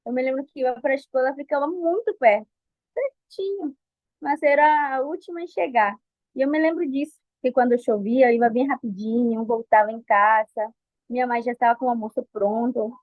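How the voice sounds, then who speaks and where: A woman's voice: a little high, moderate pace, no echo. A woman in her twenties from Colombia with a Colombian Spanish accent, speaking Portuguese as a second language and answering interview questions hesitantly, with many restarts. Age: 20s. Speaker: interview guest. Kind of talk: nervous personal interview answers. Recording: dry, phone-like audio.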